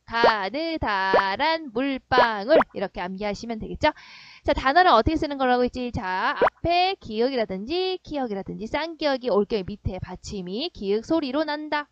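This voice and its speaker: On a dry, dull lo-fi recording with no echo, a woman who teaches middle school Korean runs an online grammar class. Her voice is on the high side, expressive and a little fast, as she explains each step and often makes sure students are keeping up.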